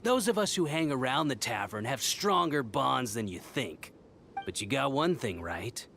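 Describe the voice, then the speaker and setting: Sly, animated tavern schemer. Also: male voice, mid-range voice, vocal fry, a little hiss or hum. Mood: taunting, menacing. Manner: chuckling, drawn-out, mock-friendly. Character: sly, falsely jovial male tavern regular turned taunting ambusher. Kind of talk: video game voice acting.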